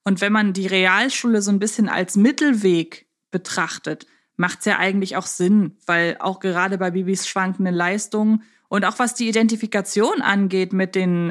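A woman co-hosts a casual podcast, thinking aloud and reasoning step by step. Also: medium pitch. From Hamburg, Germany. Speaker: podcast co-host.

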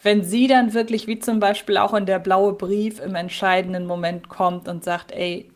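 A woman co-hosting a casual podcast, sharing firm opinions as she thinks aloud. Her talk is earnest and conversational. Her voice sits at an average pitch. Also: fairly even intonation, moderate pace. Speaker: podcast co-host. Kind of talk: casual episode discussion.

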